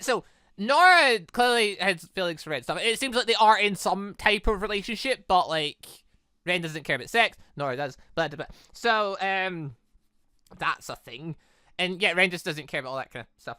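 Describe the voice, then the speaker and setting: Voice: medium pitch, animated, normal speed, bright, forceful tone, smooth, no echo, studio quality. A chatty gaming video creator rambling casually through a visual novel let's play, often getting side-tracked.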